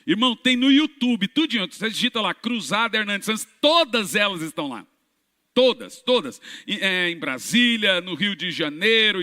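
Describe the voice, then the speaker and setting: Pastor guy preaching loud, high bright voice, big echoey church. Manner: animated storytelling, shouting at peaks. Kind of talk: sermon testimony. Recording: reverberant church hall.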